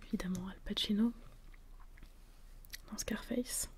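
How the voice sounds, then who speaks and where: Woman, soft whisper, ASMR talk, level and even, faint background hiss. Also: mid-range voice, measured pace. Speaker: ASMR creator. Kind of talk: whispered ASMR talk about film quotes. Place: at home, wind outside.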